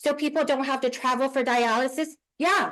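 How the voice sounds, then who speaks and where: A woman with an American accent speaks at a moderate pace in a high pitch. Her tone is animated, with ordinary pitch variation. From Nevada, Lyon County. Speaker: public commenter. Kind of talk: public comment at meeting.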